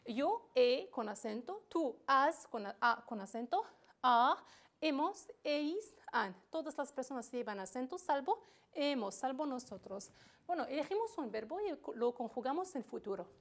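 A woman teaching a recorded grammar lesson, speaking slowly and deliberately with frequent hesitations. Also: high voice, big pitch swings. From Morocco. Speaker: Spanish teacher.

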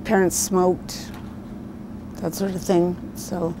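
A woman in her fifties speaks slowly in a fairly low voice. She is plain-spoken and reflective, as in a casual interview. There is noticeable ambient traffic noise behind her. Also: level tone. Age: 50s. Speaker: patient, longtime smoker. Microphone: lapel.

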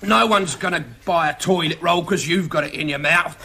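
An actor playing a dim, blunt male sidekick who speaks in a deadpan way, in a sitcom. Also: fairly high pitch, moderate pace, gravelly, slight background noise. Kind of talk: 1990s TV sitcom acting.

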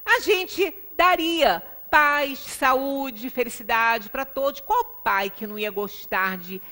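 A middle-aged Brazilian woman with a bright, high-pitched voice speaks slowly as she gives an explanatory, conversational religious lecture at a Spiritist center. She's emphatic and uses frequent rhetorical tag questions. The small indoor lecture room is reverberant, captured on a distant microphone.

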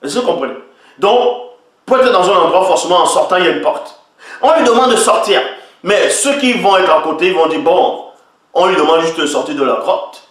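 Male preacher, fairly high voice, emphatic delivery, booming echoey room, mic at a distance. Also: animated, a little fast, fairly bright tone. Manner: emphatic, repeatedly asks listeners if they follow. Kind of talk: sermon-style teaching.

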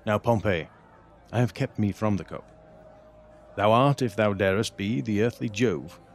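Guy acting a scheming pirate captain, low insistent voice, shakespeare audio play with music under it. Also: moderate pace, natural voice. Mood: insistent, tempting. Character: scheming, bitter pirate captain urging treachery on his lord.

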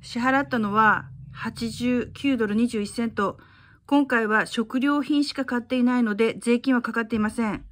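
A woman's voice: a little high, normal speed. A middle-aged woman vlogger narrating casually in a matter-of-fact, conversational way, as in a shopping haul.

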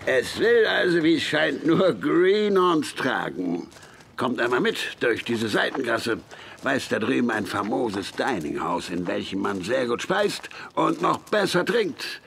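Man as an old gunsmith, gravelly, lively swoops, hearty teasing, radio play, faint ambience. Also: medium pitch, a little slow, slight background noise, exaggerated voice. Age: older. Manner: hearty, teasing, rising excitedly. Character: jovial old frontier gunsmith, gruff but fond.

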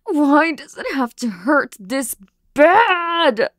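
A fierce demon queen wife played by a woman in an animated comic, commanding and exasperated. Her high voice is measured and weighty, captured very dry. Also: no echo, exaggerated voice. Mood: pained anger. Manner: forceful, demanding, dramatic.

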